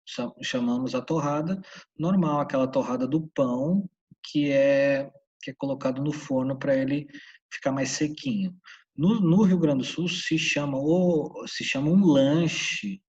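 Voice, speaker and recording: A man's voice: medium pitch, darkish tone, breathy edge. A man with a Brazilian Portuguese accent teaching English vocabulary online, explaining patiently, repeating English words aloud and checking in with short questions. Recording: distant, dull lo-fi mic.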